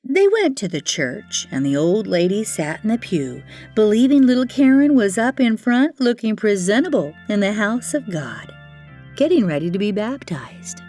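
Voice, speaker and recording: A woman narrating a children's fairytale as a storyteller, with expressive delivery and dramatic, drawn-out emphasis. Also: mid-range voice, soft background music.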